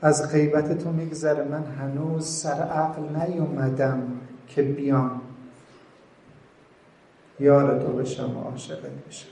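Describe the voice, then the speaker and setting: Man in his 40s preaching a pleading prayer, kinda high voice, faint noise behind. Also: flat delivery, vocal fry, pauses often, warm tone. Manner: pleading, fervent, quotes Arabic prayers. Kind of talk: devotional supplication sermon. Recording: echoey room, faint background noise.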